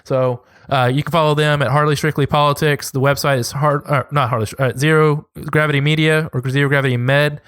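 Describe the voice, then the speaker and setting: A man co-hosting a podcast, talking in a loose, rambling, friendly way. His voice is smooth and even, with a close, dry sound and no room echo. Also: fairly high pitch, a little fast, few pauses. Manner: rambling, friendly, plugs social handles. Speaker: podcast co-host. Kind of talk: casual podcast sign-off chat.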